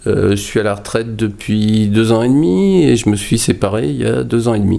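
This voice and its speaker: With a dark, mellow tone and fairly low pitch, a man speaks at a moderate pace using lively intonation. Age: 60s. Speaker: retiree. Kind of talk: interview.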